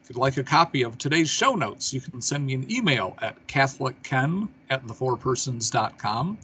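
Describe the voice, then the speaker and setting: Husky-voiced middle-aged male host. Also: medium pitch, lively intonation, normal speed, sharp tone. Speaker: show host. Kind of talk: hosting an online talk show.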